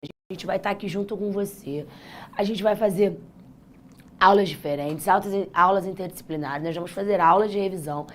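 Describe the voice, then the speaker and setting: A Brazilian woman teaches a live online class in a husky voice that sounds worn and hoarse. She is informal and chatty, speaking straight to her students and encouraging them as she goes. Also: medium pitch, normal speed, a little hiss or hum. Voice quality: naturally husky, raspy. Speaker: chemistry teacher hosting a live exam-prep class. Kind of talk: live online lesson, informal pep talk.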